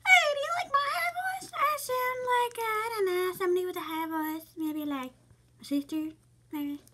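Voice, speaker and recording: A boy putting on a high, squeaky, goofy voice while eating candy in front of a webcam at home. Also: moderate pace, sharp tone, slight background noise, heavily acted. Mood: silly. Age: young. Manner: playful, shrill, goofy. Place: bedroom at home, indoors. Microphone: laptop or phone camera up close.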